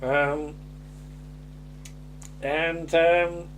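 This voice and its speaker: A man's voice: fairly high pitch, flat delivery, drawn-out words, fairly bright tone, slight background noise. A man with a slight lisp, casually recapping a sitcom episode and hesitating with many ums and restarts. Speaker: podcast co-host.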